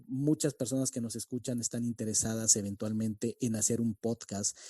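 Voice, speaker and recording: A podcast host from Mexico City with a neutral Mexican Spanish accent conducts an interview, speaking reflectively and haltingly with many restarts. His voice is mid-range and mellow, with no room sound.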